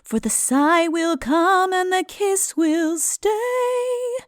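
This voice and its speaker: A woman playing a sweet-voiced singer of sad old ballads, singing slowly with a mournful lilt in an audiobook. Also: extremely high pitch, lively intonation, dry recording, studio quality, faint music behind, full character voice. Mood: sorrowful. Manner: mournful, drawn-out lilting delivery. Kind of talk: slow sung ballad.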